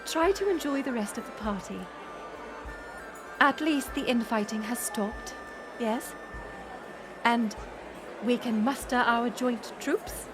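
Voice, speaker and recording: A woman's voice: on the high side, slow pace, long pauses. A woman playing a proud, weary middle-aged queen mother in a dramatic audio roleplay, formal and commanding. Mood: placating, apologetic. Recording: music and crowd murmur behind. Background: music and banquet crowd.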